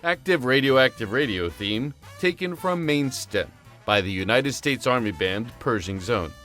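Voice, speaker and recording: A man's voice: mid-range voice, animated, unhurried, a bit bright, soft background music. A man reading scripted credits as the announcer of a radio show.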